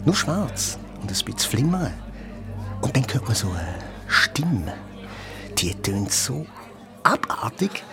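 A young man with a Swiss German accent playing an excited, chatty friend bragging about a bargain in a radio play. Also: medium pitch, slow pace, long pauses. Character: eager young man Michi, boastful bargain hunter. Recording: music bed underneath.

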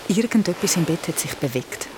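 A woman with a Swiss German accent telling a spooky story in a lively, dramatic way, sometimes dropping to a whisper. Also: fairly low pitch, a little fast, noisy background. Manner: lively, dramatic, drops to a whisper at tense moments. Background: music.

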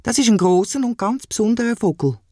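A man with a Swiss German accent voicing an eager five-year-old boy who loves birds, calling out high and pleading. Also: lively intonation, fast talker, darkish tone, dry recording, studio quality.

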